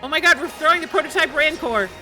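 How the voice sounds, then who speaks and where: A woman doing casual live gameplay commentary, playful, excitable and quick to react. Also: sits high, low-quality recording. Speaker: game streamer. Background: game music.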